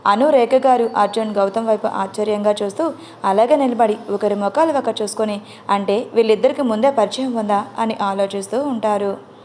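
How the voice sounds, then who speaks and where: A woman's voice: medium pitch, fairly quick, darkish tone, a little hiss or hum. A woman narrating a serialized family drama, reading every character's lines in her own voice with emotional emphasis. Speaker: storyteller.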